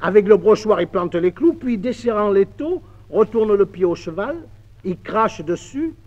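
A man telling a folk tale in a lively, expressive theatrical reading, on an old mono record. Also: high-pitched, unhurried. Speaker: storyteller. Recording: dull 1950s mono record.

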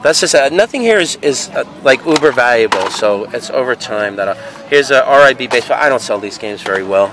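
A man's voice: mid-range voice, lively intonation, fairly quick. Rambling man sorting games at an outdoor flea market. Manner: rambling, thinking aloud, many fillers. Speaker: video game reseller. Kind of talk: casual handheld vlog narration. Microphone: handheld camera. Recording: noisy outdoor camera audio.

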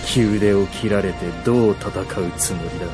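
An actor playing a gloating, menacing villain in a fantasy radio drama, with a gravelly, taunting delivery. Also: male voice, on the low side, normal speed, natural voice. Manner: taunting, theatrical. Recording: loud music under the voice.

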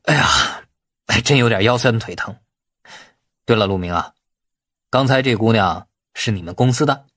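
Guy doing an older official guy, creepy but polite, musing drawl, bit raspy, audiobook. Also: lowish voice, expressive, moderate pace, long pauses, a bit bright. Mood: weary, curious. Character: lecherous, hesitant older official, feigning politeness.

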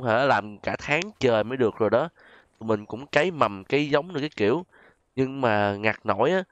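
A man with a Southern Vietnamese accent hosts a gaming video in a casual, conversational way. His medium-pitched voice talks straight to the viewers. The sound is dry and slightly dull, like a lo-fi voice-over. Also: smooth, no echo. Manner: conversational, addresses viewers directly with frequent tag particles. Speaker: gaming channel host. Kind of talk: casual game role-play commentary.

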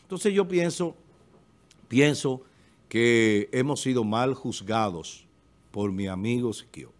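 Speaking slowly in a mid-range voice, a middle-aged Dominican panelist offers emphatic political commentary on a local TV talk show, using a desk studio microphone. His Spanish carries a Dominican accent. He gestures with his hands and repeatedly says "eh."

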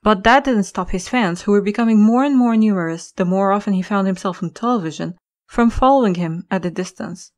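A woman's voice: medium pitch, fairly quick, hardly any pauses. A woman reading scripted story narration as the narrator of an audio drama. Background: music.

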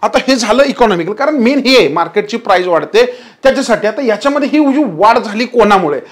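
A man's voice: high-pitched, animated, fast. A man in his thirties giving an emphatic stock market lesson, often telling viewers to remember key points, recorded on a lapel mic in a studio. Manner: emphatic, repeats "remember", gestures while explaining. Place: studio in front of a large presentation screen.

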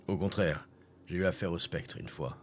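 A man reading the part of an old hermit living alone in the desert, in a gentle, measured manner. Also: low-pitched, steady tone, a little hiss or hum, voice pushed down, lightly acted. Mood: calm.

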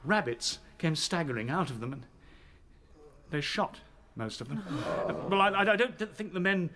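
Shaken rabbit captain, halting man acting. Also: a little high, expressive, noisy background, close to an everyday voice. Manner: halting, searching for words. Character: battle-worn male rabbit captain, shaken, recounting horrors. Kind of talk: radio drama dialogue.

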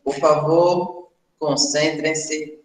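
A young man with a Brazilian Portuguese accent patiently teaches an English class over a laptop video call, repeating sentences for his students. His voice is on the high side, with flat delivery and drawn-out words, in an echoey room.

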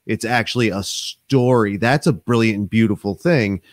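A man's voice: fairly low pitch, moderate pace, dry recording. A man in his thirties hosts a casual podcast interview, rambling and restarting as he goes. He talks into a desk microphone in a small home office, and the sound is dry and close. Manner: rambling, animated, lots of fillers and restarts. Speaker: podcast host. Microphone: desk microphone on stand.

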